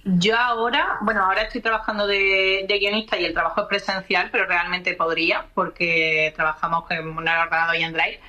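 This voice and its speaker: A woman's voice: on the low side, flat delivery, a little fast, bright, forceful tone, muffled recording. A young woman with an Andalusian accent, a guest chatting casually and thinking aloud. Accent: Andalusian Spanish. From Andalusia, Spain. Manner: reflective, thinks aloud with fillers. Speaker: guest, screenwriter and podcaster. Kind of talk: casual radio chat.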